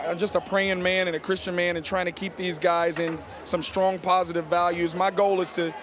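A middle-aged American man, a basketball coach, answering in a postgame interview on a handheld mic in an arena. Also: on the high side. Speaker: high school basketball coach. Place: on the court of a large indoor arena. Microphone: handheld reporter microphone held to him.

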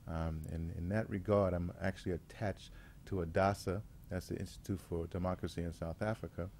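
Give this a man with a low, dark voice. He addresses a gathering informally as an artistic director, pausing often to find his words. There is faint ambient noise behind him. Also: fairly even intonation. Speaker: radio theater artistic director, guest facilitator.

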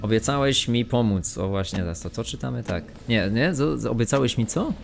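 A streamer's medium-pitched, expressive voice comes a little fast, with vocal fry, over soft background music. He mutters, swears and talks to himself and his viewers while playing a horror game, and the stream audio is noisy.

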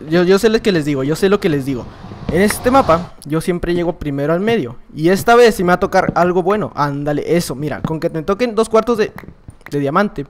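Man, high voice, jumpy gameplay commentary, swears when things go wrong, audible noise behind him. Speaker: gaming video creator.

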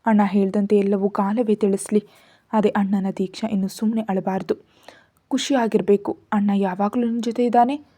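A caring older brother, as a woman narrator voices him, gentle and consoling. He speaks soothingly in a mellow, soft-toned voice. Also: mid-range voice, steady tone, normal speed, lightly acted. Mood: tender.

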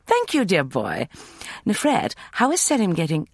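A confident, formal matron speaks briskly with lively, swinging intonation and a gravelly undertone, as a male narrator puts her on. Dry, close recording. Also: high voice, dry recording, pitched above the performer's own voice, heavily acted. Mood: assured. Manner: brisk, formal, self-assured. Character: brisk, self-assured Victorian matron.

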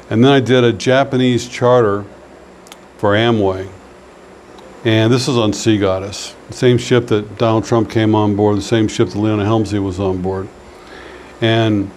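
A man's voice: fairly low pitch, darkish tone, slight background noise. A man in his sixties, a former cruise ship entertainment host, telling wry stories to camera in a chatty, casual way. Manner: chatty and wry, with frequent fillers. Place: small room indoors by a window.

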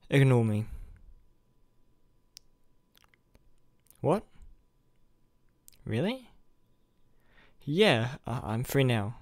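A man's voice: fairly high pitch, a little mellow, clean tone, no echo, studio quality, exaggerated voice. A young man playing an awkward, earnest college student who is secretly a superhero, in a roleplay audio with hesitant delivery. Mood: nervous, rambling.

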